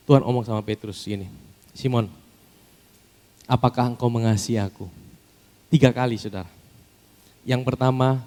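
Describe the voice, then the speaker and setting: A man pastor preaching a sermon, often calling the congregation "saudara" and rising to loud, high-pitched peaks. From Indonesia.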